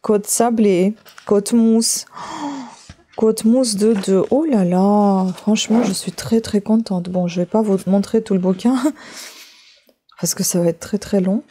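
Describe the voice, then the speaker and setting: A woman with a Russian accent, a native Russian speaker, chatting casually and a little haltingly as she thinks aloud for a craft vlog. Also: medium pitch, fairly even intonation, mellow. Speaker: craft vlogger. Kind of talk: casual unboxing chat while leafing through a book.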